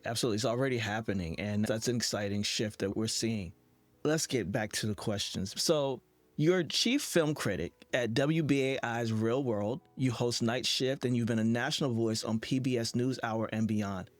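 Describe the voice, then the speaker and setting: Male interviewer, medium-pitched voice. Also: moderate pace, dry recording. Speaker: interview host. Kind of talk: podcast interview, affirming the guest.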